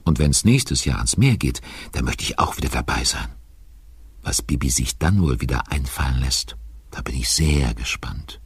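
A man's voice: rumbling low, lively intonation, normal speed, breathy edge, no echo, exaggerated voice. A man playing the avuncular narrator of a children's audio drama, chatting directly to listeners with playful mock grumbles. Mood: cosy, teasing. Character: avuncular male narrator of a children's witch story.

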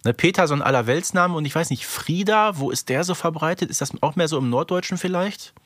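A man's voice: fairly high pitch, fast, fairly bright tone, no echo. A man co-hosting a podcast in casual chat. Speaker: podcast co-host.

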